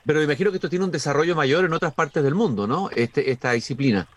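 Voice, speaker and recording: Reflective male interviewer. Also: on the high side. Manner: reflective, musing, slow questions. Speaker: interview host.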